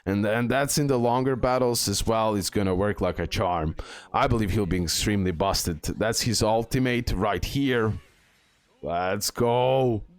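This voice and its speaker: A man with a very deep voice comments on a game update for his channel. He sounds eager and chatty and often stops to restart a phrase. The recording is dry, with no room sound. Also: unhurried, no echo. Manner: enthusiastic, chatty, many fillers and restarts. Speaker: gaming channel host. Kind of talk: game news commentary over footage.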